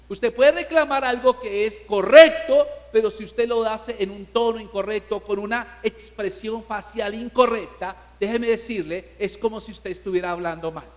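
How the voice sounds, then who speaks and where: High-voiced emphatic preacher in a reverberant hall. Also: male voice. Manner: emphatic, rhetorical questions to the congregation. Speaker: pastor. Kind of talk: sermon.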